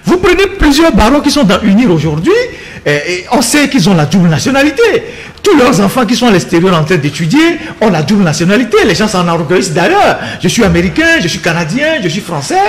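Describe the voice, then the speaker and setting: Man, high and very animated voice; indignant commentator who hammers his points on a debate panel. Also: quick pace, slight background noise. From Togo. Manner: indignant, insistent, repeats words while building a point. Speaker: political commentator.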